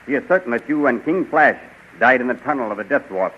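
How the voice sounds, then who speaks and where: An actor playing a cautious patrol captain, formal and deferential, in a 1930s radio serial. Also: male voice, medium pitch, animated, quick pace, bright, forceful tone. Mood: respectful. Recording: muffled, noisy 1930s radio recording.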